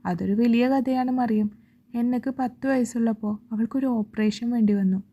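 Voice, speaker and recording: A woman voicing a weary, tender older mother who speaks softly and slowly, on a dull lo-fi recording. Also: fairly high pitch. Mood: sorrowful.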